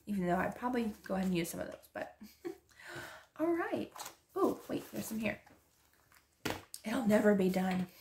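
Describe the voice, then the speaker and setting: A woman chatting casually while she decorates a planner, soft-spoken and drifting into whispers, laughing often, her voice hoarse as she loses it. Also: medium pitch, a little hiss or hum. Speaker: planner and journaling vlogger.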